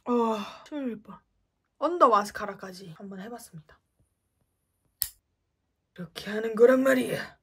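A young woman in her twenties walks through a makeup routine, her slightly high voice husky and breathy. She talks playfully, slipping into soft whispers and popping back up with lively exclamations. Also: normal speed, pauses often. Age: 20s. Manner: playful, switching between whispers and bright exclamations. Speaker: beauty vlogger. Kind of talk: makeup tutorial voice-over.

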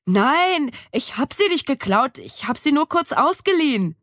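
A woman's voice: high voice, big pitch swings, unhurried, a bit bright, dry recording, voice pushed up, heavily acted. An audiobook's hesitant young man, raised a little above the reader's own register, stumbling into long explanations, as a woman reads him. The studio is dry and close. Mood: explaining. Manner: hesitant, then explaining at length. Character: young man, nervous know-it-all friend. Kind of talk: audiobook dialogue reading. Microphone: close studio mic.

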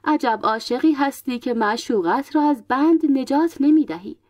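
A woman's voice: high-pitched, a little mellow, dry recording, dull audio. A woman storyteller voicing a wicked female witch who pretends to be a captive princess, pleading and reproachful in turn. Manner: pleading, then mocking and reproachful.

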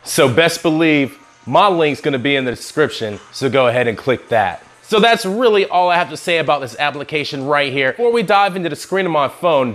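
A young man hosting an app review vlog, talking with energetic, salesy hype and catchphrases on a lapel mic. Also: on the high side. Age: young adult. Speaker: host.

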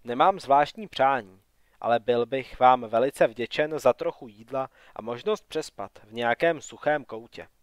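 Brief: man doing a sardonic young wanderer for an audiobook, low-key, softly grumbling, dry sound. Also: dry recording, close to an everyday voice. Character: wry wet young male wanderer, sardonic.

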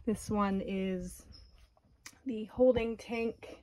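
A woman giving an unhurried walkthrough tour of her camper, plainly pointing out features one by one, recorded on a handheld phone inside the trailer. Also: mid-range voice, steady tone, noisy background. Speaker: owner giving a home tour.

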